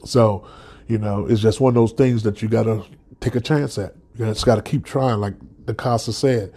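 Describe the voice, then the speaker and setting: A man's voice: lowish voice, steady tone, moderate pace, mellow, breathy edge. A man hosting a solo sports podcast, stuffed up from a cold, talking as a passionate fan with many restarts and "okay?" tags. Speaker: podcast host.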